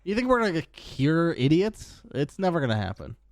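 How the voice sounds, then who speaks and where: A young man co-hosting a gaming podcast, talking casually in a laid-back, halting way with frequent laughs. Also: fairly high pitch, sing-song, noisy background. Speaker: podcast co-host. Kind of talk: casual chat.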